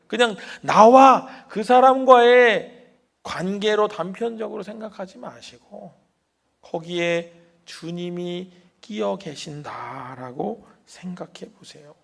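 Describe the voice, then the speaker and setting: A male senior pastor telling a story in a sermon, animated, questioning the congregation and dropping to a hush. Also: sits high, vocal fry.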